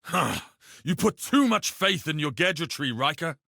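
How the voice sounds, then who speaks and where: An actor playing a proud, fierce, honour-bound tribal warrior in a video game, with a solemn, declamatory delivery. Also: male voice, a little high, big pitch swings, moderate pace, creaky, sharp tone, no echo, studio quality, heavily acted. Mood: stern, solemn. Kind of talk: video game character voice lines.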